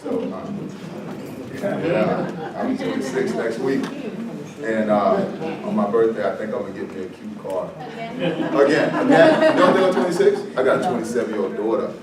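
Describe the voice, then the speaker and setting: A man's voice: fairly low pitch, wildly swooping pitch, moderate pace, over a noisy crowd. Man joking through a talk in an echoey room. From U.S. Virgin Islands (St. Croix). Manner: joking, chatty, loose and conversational. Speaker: fire department safety presenter. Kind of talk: informal presentation to a seated group. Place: meeting room with an audience. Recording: echoey room, mic far off, noisy background.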